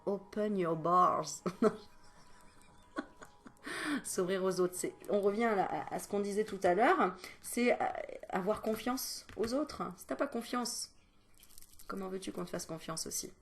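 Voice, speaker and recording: A woman's voice: medium pitch, measured pace, long pauses. A woman energy healer chatting through spiritual advice at home, digressing often and adding joking asides. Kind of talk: casual spiritual advice vlog.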